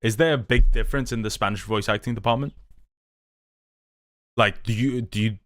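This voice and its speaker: A young man talking casually on a live stream, eager and rambling, often restarting his sentences. His voice sits a little low, and the sound is dry and close with no room around it. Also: normal speed, fairly bright tone, dry recording. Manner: rambling, enthusiastic, many restarts and fillers. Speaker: livestream host.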